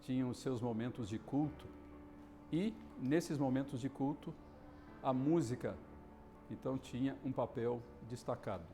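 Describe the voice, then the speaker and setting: A man explaining history in a measured, lecturing way during an interview. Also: medium pitch, warm tone. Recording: reverberant hall with faint music.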